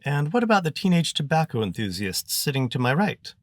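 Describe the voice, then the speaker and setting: A man acts out a grandly polite gentleman adventurer in a fantasy audiobook. He is pompous and florid, with his voice lifted above a low male register into theatrical declaration. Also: big pitch swings, fairly quick, dry recording. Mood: inquisitive.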